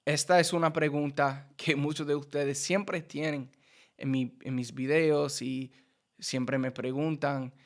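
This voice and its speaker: A Spanish teacher from the United States with a Puerto Rican accent talks slowly to camera in casual teaching. His voice is fairly high with a steady tone, and he repeats and restarts words as he explains.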